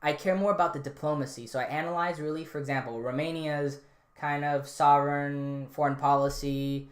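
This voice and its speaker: A man's voice: a little high, brisk. A man hosting a podcast, chatting casually and answering a live chat, rambling with frequent ums and restarts. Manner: relaxed, rambling, many fillers and restarts. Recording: roomy echo.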